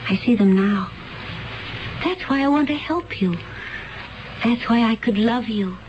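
A woman's voice: fairly high pitch, measured pace, lightly acted. An actress playing an earnest, otherworldly young woman who claims to come from another planet, speaking in solemn, simple phrases in a 1970s radio drama. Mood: gently solemn. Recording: muffled, hissy 1970s radio broadcast.

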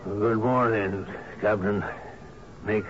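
Slow, grave, unhappy island guest. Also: male voice, on the low side, steady tone. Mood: subdued. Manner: hesitant, reserved, formally polite. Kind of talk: radio drama acting. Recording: dull, noisy vintage radio drama broadcast.

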